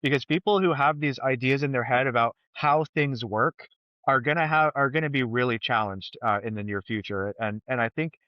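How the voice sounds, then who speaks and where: A man speaking as a podcast guest, a software developer talking in a thoughtful, hesitant way with many pauses and restarts. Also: mid-range voice, no room sound, highs cut off. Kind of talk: casual podcast chat.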